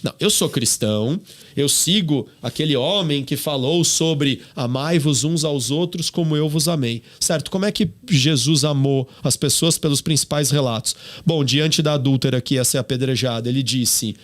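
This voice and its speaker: A man's voice: mid-range voice, normal speed. A man with a Brazilian Portuguese accent, speaking emphatically as a guest on a podcast and asking rhetorical questions. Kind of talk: podcast discussion.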